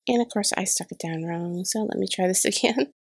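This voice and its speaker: A woman's voice: medium pitch, a little fast, gravelly, darkish tone, slightly rough, no echo, studio quality. A woman in her thirties with a cold and a slightly nasal voice, chatting casually through a voice-over crafting tutorial and laughing off her own mistakes. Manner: chatty, self-deprecating about mistakes. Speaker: card-making channel host. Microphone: voice-over recorded separately.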